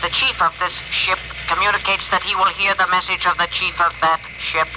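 Stiff, formal alien envoy, high-pitched, played by a man; 1950s radio play, hissy broadcast. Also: level tone, fairly quick, close to an everyday voice. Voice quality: stiff, formal, literal phrasing. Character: formal alien ship translator, male. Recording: noisy old radio broadcast.

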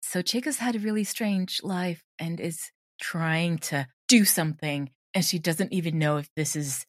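A woman speaking as an interviewed audio drama creator, explaining her craft in a thoughtful, conversational way with many softeners. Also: fairly low pitch, normal speed, no room sound, studio quality.

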